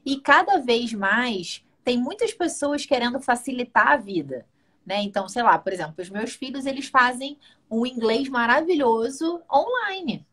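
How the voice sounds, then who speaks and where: Guest voice: talkative Brazilian woman, husky and fairly high, keeps asking if you follow. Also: animated, moderate pace, fairly bright tone. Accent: Brazilian Portuguese. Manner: talkative, keeps checking in with the listener. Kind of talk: casual conversational interview.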